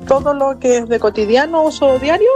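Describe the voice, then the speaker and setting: A woman's voice: high-pitched, brisk, dark tone, soft background music. A woman calling in, enthusiastic and laughing. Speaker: caller.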